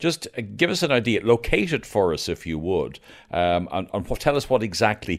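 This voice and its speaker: Speaking with an Irish accent, a man is heard in a very clean recording with a silent background. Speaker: radio host. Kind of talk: radio interview.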